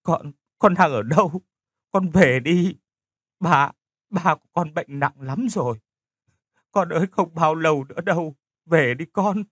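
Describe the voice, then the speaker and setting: A man's voice: on the high side, slow, hardly any pauses, darkish tone, slightly rough, no echo, studio quality, voice pushed up. A man voicing a frantic, anxious aging mother calling her child home in an audio story. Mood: frantic pleading. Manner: pleading, urgent.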